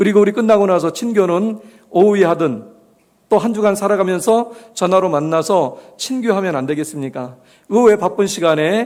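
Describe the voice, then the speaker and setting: The speech comes at a fairly quick pace with lively intonation. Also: man. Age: 60s. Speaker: lay preacher. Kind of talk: sermon. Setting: church.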